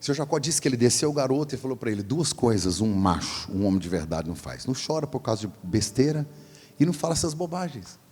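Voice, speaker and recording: Husky-voiced preacher in a reverberant church. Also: male voice, mid-range voice. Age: 40s. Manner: animated, acts out voices in the story. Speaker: pastor. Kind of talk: storytelling sermon. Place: large church hall. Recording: long hall reverb.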